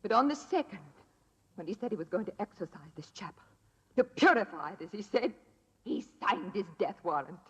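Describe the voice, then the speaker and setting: An actress playing a deranged, gloating young murderess who practices black magic, in theatrical 1940s radio drama style. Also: female voice, mid-range voice, animated, brisk, slight background noise, lightly acted. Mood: gloating, bitter. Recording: old radio recording, long hall reverb.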